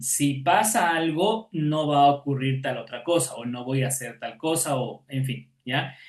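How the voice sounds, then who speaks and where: A man's voice: a little high, echoey room. A man teaching an online class, patiently explaining and checking in with his students after every point.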